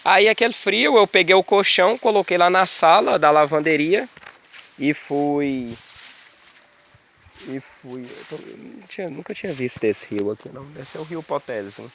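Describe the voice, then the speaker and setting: A man speaks earnestly to his viewers from a rural riverside, repeating himself as he recounts a spiritual experience. His voice sits a little high and rings bright. Crickets, insects and running water carry on behind him. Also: animated, moderate pace, gravelly, slight background noise. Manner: earnest, repetitive, addresses viewers as "gente". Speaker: vlogger sharing a spiritual experience. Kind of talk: casual spoken testimony. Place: outdoors in a rural area by a river.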